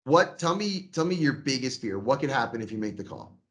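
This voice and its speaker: A man's voice: mid-range voice, sing-song, a little fast, fairly bright tone. A man leading a sales training, coaching his team with energy and acting out sample phone calls.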